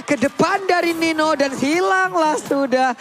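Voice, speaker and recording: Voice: high-pitched, a little slow. An esports commentator with an Indonesian accent giving live play-by-play of a match.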